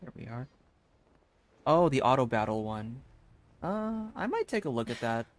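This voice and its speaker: A man's voice: medium pitch, big pitch swings, normal speed. A man chatting casually and musingly while streaming a video game. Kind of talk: casual livestream chat while playing. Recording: faint game ambience behind.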